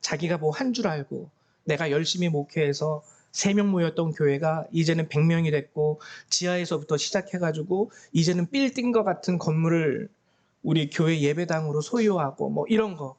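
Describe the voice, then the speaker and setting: A man's voice: on the high side, normal speed, a little mellow. A man pastor preaching a sermon, emphatic, repeating key words and acting out quoted speech.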